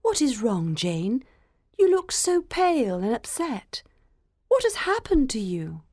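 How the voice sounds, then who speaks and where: An eager, caring young woman , as a woman reader puts her on, speaks high and bright. Her lines rise and fall with lively movement, read close and dry for a storybook. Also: measured pace, no room sound, heavily acted. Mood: concerned. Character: kind, earnest young woman, caring sister.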